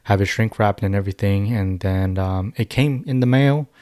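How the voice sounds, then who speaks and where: A young man in his twenties, raised in China and Taiwan, answering questions as a podcast guest in a thoughtful, halting way with many restarts. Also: lowish voice, warm tone. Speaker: musician guest. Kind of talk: casual podcast interview.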